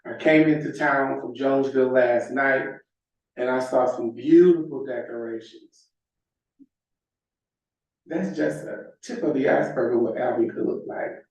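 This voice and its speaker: A man's voice: medium pitch, fairly even intonation, unhurried, a little mellow. A man in his sixties giving an earnest public comment at a city council meeting, telling a story and pleading for unity. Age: 60s. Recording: echoey council chamber from far off.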